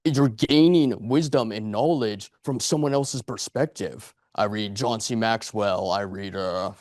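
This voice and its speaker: Speaking before an audience in a speakers club meeting room, a public speaker in his late twenties rambles earnestly through a motivational talk built on repetition and rhetorical questions. His lowish, darkish voice moves a little slowly. The audio is studio quality with no echo.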